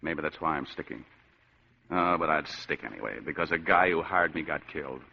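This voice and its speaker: A man's voice: extremely low pitch, fairly quick, gravelly, husky, exaggerated voice. An actor playing a weary, wisecracking male private detective in a 1940s-style radio drama. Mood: wry. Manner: wisecracking, sardonic. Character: hard-boiled male private eye, sardonic, weary. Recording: dull lo-fi old radio recording.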